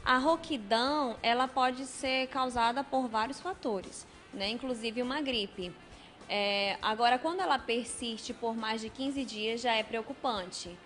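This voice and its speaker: A woman with a Brazilian Portuguese accent, a specialist guest giving calm, measured answers on a TV studio talk show. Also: a little high. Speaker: speech health specialist guest. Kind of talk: explanatory studio interview answers. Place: television studio.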